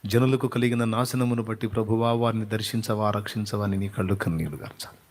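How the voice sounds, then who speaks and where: A man's voice: lowish voice, steady tone, fast, darkish tone, in a large hall. Fervent pleading male preacher. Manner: fervent, pleading prayer addressed to God. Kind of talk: devotional sermon and prayer. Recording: clear background music under the voice.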